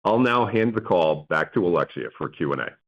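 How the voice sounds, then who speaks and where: Low-voiced male finance executive, dull audio. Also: lively intonation, brisk. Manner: formal, reading prepared remarks. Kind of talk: scripted earnings call presentation. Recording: dull lo-fi conference call audio.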